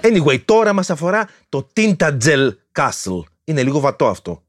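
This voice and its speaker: Guy telling history for a video, fairly high voice, playful and slangy. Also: sing-song, no room sound, studio quality. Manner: playful, slangy, jumps between asides. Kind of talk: joking history explainer.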